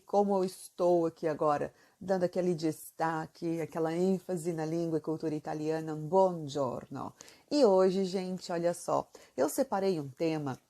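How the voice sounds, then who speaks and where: A woman from southern Brazil, speaking with a Santa Catarina Brazilian Portuguese accent, teaches Italian in a chatty video lesson. Her voice is lowish and warm, and she fires lots of questions at the viewer amid many fillers.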